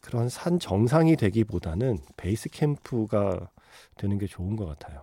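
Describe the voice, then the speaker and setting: In a very clean recording with a silent background, a man speaks with a dark, mellow tone and a fairly low pitch that moves in very wide swings. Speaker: radio host. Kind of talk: radio music show talk. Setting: radio studio.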